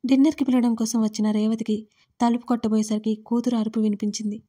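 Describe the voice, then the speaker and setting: A woman reads a romance audio story in a mellow, warm voice pitched a little high. Her delivery is steady and fairly flat, keeping an even storytelling flow. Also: fast. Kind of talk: scripted audio-story narration.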